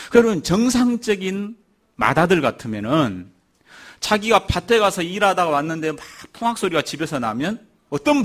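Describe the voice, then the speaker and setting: A man's voice: mid-range voice, a bit bright. A man preaching a sermon, telling a Bible story and acting out the characters' lines. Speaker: pastor.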